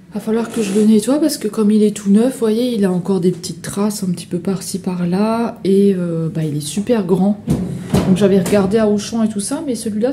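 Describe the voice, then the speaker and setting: A woman's voice: mid-range voice, warm tone, slight background noise. A woman in her thirties chatting casually in a home vlog from her kitchen, rambling with lots of fillers and slang. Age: 30s. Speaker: vlogger.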